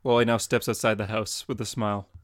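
A man's voice: lowish voice, level tone, fast talker, dry recording. Matter-of-fact male podcast co-host narrating panel action, dry close sound. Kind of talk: reading out comic panel descriptions.

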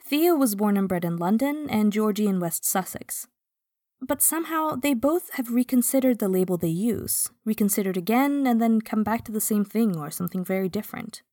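A woman from Stockholm whose first language is Swedish, narrating a podcast in a measured, reflective way. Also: mid-range voice, animated, warm tone, dry recording, studio quality. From Sweden, Stockholm. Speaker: podcast host. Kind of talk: scripted narration.

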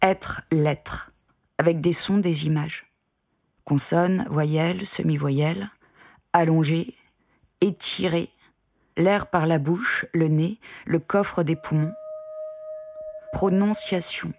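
A woman narrating her own poetry in a measured, lyrical spoken-word delivery. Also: deep voice, fairly even intonation, creaky, darkish tone, a little hiss or hum. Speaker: poet narrator.

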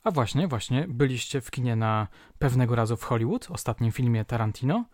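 A man's voice: medium pitch, lively intonation, a little fast, darkish tone, no echo, studio quality. A man hosting a true-crime podcast, reading old newspaper reports aloud in scripted, theatrical narration and putting rhetorical questions to his listeners. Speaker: podcast host.

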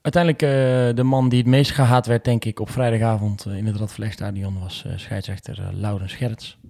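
A man's voice: on the low side, flat delivery, a little fast, darkish tone. A man hosting a casual football podcast, talking indignantly and with strong opinions about a referee. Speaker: podcast host.

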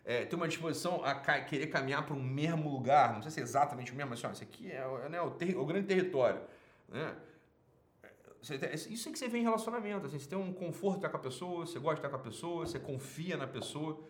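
In an echoey room, a medium-pitched man with a Brazilian Portuguese accent hosts an advice show, answering a listener's email in a casual monologue. He's blunt and emphatic, swearing often.

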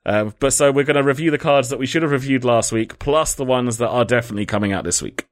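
A man's voice: medium pitch, fast talker, no echo, clean studio sound. A man hosting a casual podcast, rambling and joking at his own expense. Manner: jokey, rambling, laughs at himself. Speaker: podcast host.

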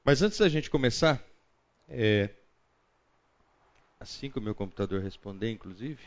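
A Brazilian man with a mid-pitched voice leads a church study group, moving from prayer to loose, conversational teaching. He thinks aloud and keeps asking the group tag questions. The audio is a little muffled and lo-fi. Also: lively intonation, measured pace. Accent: Brazilian Portuguese.

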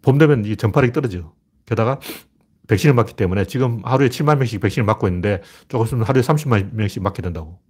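A husky-voiced middle-aged man running a political talk livestream. His pitch swings widely as he rants bluntly and with open scorn, often climbing into near-shouting. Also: animated, very fast. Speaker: livestream host.

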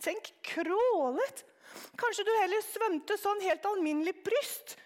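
A curious, cheeky little boy pipes up with question after question, as a woman puts him on. His voice sits high and lively for a storybook reading. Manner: eager, questioning.

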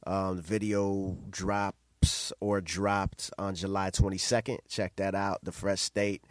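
A man's voice: low-pitched, level tone, slow pace, dry recording, studio quality. A man chatting as a guest rapper on a podcast, laid-back and swearing freely. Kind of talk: casual podcast chat.

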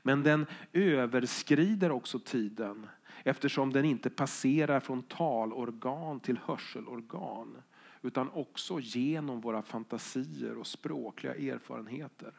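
A man giving a reflective, measured spoken lecture, reading out quotes along the way. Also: medium pitch, vocal fry.

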